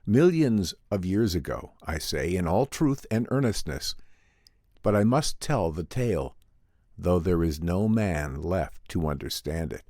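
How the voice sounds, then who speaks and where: A man narrates classic science fiction in a low, dry-recorded voice. His delivery is earnest and theatrical, with animated rises and falls. The phrasing is formal and scripted, like an audiobook dramatic reading. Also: unhurried, no echo.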